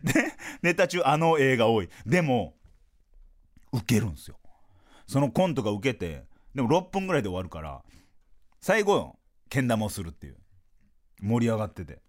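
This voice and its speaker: Man, Kansai accent, podcast host, comic storytelling, very lively swooping pitch. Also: fairly quick. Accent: Kansai Japanese. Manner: animated, lively storytelling with voiced-out quotes.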